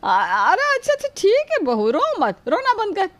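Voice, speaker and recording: A woman's voice: a little high, big pitch swings, normal speed, no room sound. A middle-aged woman playing a kind, protective mother-in-law who scolds yet shields her daughter-in-law.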